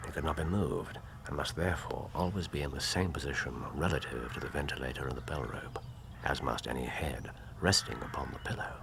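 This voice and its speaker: An actor playing a sharp, commanding middle-aged detective in a radio drama, precise and clipped. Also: male voice, extremely low pitch, a little fast, gravelly, noisy background. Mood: hushed.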